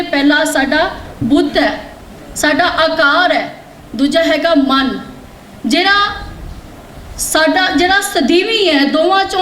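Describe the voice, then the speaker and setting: A woman with a very high voice lectures a hall full of students. She fires questions at them and pushes them to answer louder. The sound is echoey, with a faint room hum. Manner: quizzes the audience and urges them to answer louder. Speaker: guest speaker addressing students. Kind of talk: lecture with call-and-response. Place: large hall at a religious college.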